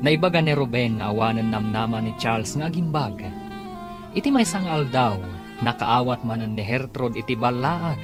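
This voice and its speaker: A man with an Ilocano accent narrating a serial drama as its announcer. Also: medium pitch. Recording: music behind the voice.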